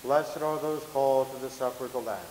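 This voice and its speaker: A man, a Catholic priest, reciting liturgical prayers in a solemn, measured way. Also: medium pitch, steady tone. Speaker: Catholic priest celebrating Mass. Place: large church sanctuary at the altar. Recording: echoey church, long reverb, hiss.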